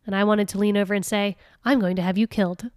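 A woman's voice: medium pitch, quick pace, no room sound. Chatty woman podcaster, dry close sound. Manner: chatty, laughing often, with many fillers and restarts; reads quoted passages with lively expression. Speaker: podcast host. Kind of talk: casual solo podcast, reading aloud and commenting.

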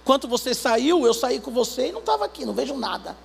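A Brazilian pastor preaching a sermon, acting out little dialogues between God and believers in an animated way. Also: male voice, extremely high pitch, fast, creaky, slight background noise. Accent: Brazilian Portuguese.

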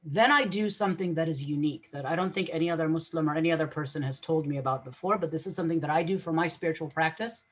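Husky-voiced man explaining earnestly. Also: a little high, quick pace, few pauses, fairly bright tone. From Egyptian family, raised English-speaking. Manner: earnest, explanatory, repeats words while thinking. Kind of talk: podcast interview.

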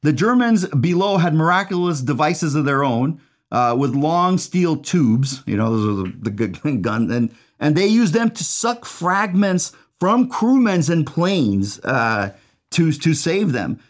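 A man's voice: fairly high pitch, big pitch swings, a little slow. Chatty man reviewing a book. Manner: chatty, tag questions, reads passage aloud.

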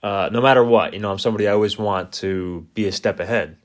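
A young man talking on a casual podcast with a fairly low voice. He speaks in a reflective, easygoing way and often fills with "you know". His talk turns to faith and letting things go. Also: steady tone, fast. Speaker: podcast co-host. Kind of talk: casual chat.

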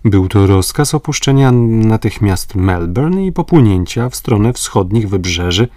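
A man playing a calm, steady ship captain. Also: fairly low pitch, no echo, studio quality, recorded from a distance. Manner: measured and respectful.

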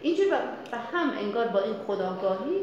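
A woman psychologist leading a workshop, explaining in a lively, chatty way to the audience. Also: a little high, highs cut off, crowd noise. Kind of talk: workshop lecture. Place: workshop room. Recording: very echoey room.

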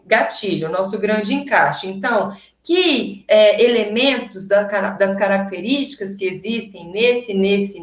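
A Brazilian woman with a Brazilian Portuguese accent, teaching literature in an enthusiastic, chatty way and tossing rhetorical questions at her class. Her voice sits at an ordinary middle pitch. The room is echoey, with the sound bouncing around her. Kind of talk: casual online class lecture.

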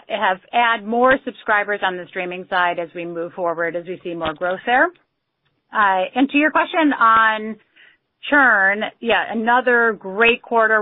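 A woman company executive answering questions on an earnings call in measured corporate language. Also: medium pitch, dry recording. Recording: muffled, band-limited conference call audio.

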